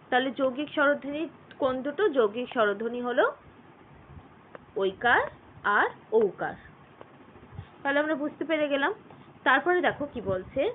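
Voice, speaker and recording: Woman teacher, high voice, patient letter-by-letter explanations, phone-quality sound. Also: slight background noise. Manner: explains slowly, breaking words into letters. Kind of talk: online grammar lesson. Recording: tinny phone-like audio.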